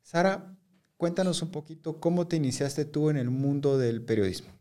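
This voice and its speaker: A man's voice: a little high, normal speed. A man hosting an interview podcast in Spanish, introducing his guest and supplying words when she gets stuck. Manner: warm, helps the guest with words. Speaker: podcast host. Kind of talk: casual interview.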